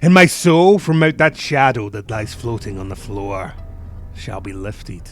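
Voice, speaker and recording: A man narrating a gothic poem as a dramatic reading, with theatrical, deliberate phrasing. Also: fairly low pitch, soft background music.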